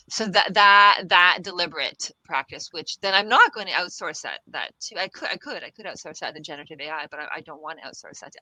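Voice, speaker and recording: A woman's voice: on the low side, pushed and bright, dry recording, poor audio. A woman guest on a casual podcast interview, reassuring and laughing often, repeating herself as she talks. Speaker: guest expert on the future of work.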